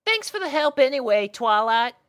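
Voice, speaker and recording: A woman's voice: high voice, sing-song, moderate pace, fairly bright tone, no echo, studio quality, pitched above the performer's own voice. A woman voicing a plucky young filly pony, earnest and eager, in a story reading.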